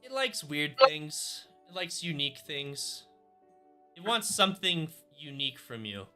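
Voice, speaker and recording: A man's voice: fairly high pitch, very animated, unhurried, sharp tone, faint music behind. A man narrating as dungeon master of a tabletop game, rambling and hesitant with many fillers.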